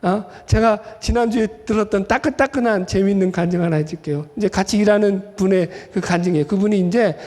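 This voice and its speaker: A man with a high voice preaches an expository sermon, talking with his congregation and peppering them with questions. His voice carries a long reverb from the church hall around him. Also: quick pace, few pauses, darkish tone. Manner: conversational, asks the congregation questions. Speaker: pastor. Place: church sanctuary.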